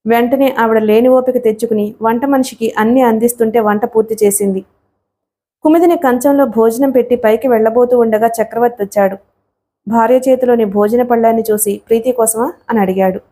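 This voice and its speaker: A woman narrating a novel for an audiobook, steady and expressive in her storytelling. Her voice sits slightly high with a mellow, soft-edged tone. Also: fairly quick.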